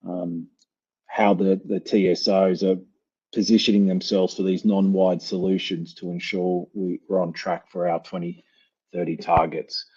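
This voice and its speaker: An Australian man with a husky, low-set voice explains things on a webinar, dotting his talk with ums and restarting words. The sound is dull and lo-fi, like web call audio. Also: little pitch movement, unhurried, dark tone. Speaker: company presenter. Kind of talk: webinar presentation and Q&A answers.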